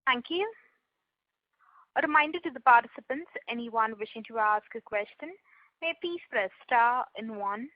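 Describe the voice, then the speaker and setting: A woman's voice: fairly high pitch, expressive, normal speed, no room sound. A woman working as a conference call operator, making formal, scripted announcements. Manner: formal, procedural. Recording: dull conference phone line.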